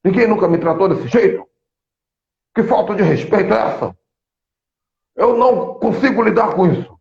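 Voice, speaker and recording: A man's voice: high-pitched, lively intonation, normal speed, gravelly, a little mellow, voice pushed up. A man acting out an offended military colonel who protests indignantly. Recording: echoey, phone-like thin sound.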